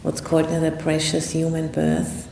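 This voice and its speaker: A woman giving a guided meditation talk as a meditation teacher, speaking in an unhurried, reflective way with long pauses. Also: fairly even intonation, vocal fry, dark tone. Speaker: Buddhist nun and meditation teacher. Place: indoor room at a retreat center. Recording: roomy echo, faint rumbling background noise.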